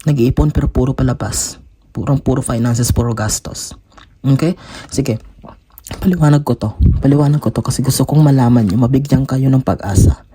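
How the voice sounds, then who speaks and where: A man's voice: mid-range voice, brisk, mellow, slightly rough. A young man with a Filipino accent giving an emotional tarot reading, switching between Tagalog and English. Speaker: tarot reader.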